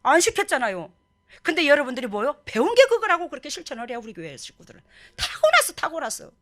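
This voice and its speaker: A middle-aged woman pastor, preaching a lively sermon and acting out quoted voices. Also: high-pitched, quick pace.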